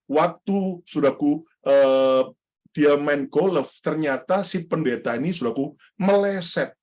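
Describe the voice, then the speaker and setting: A man preaching a sermon as pastor, lively and storytelling, often turning to address the congregation directly. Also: on the high side, a little slow.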